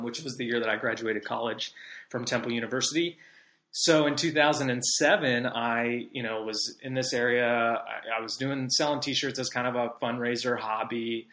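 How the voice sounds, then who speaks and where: In an echoey room, a roughly thirty-year-old man from Southern California hosts a podcast, talking through a chatty monologue that rambles and is packed with fillers. His voice is mid-range and a bit bright.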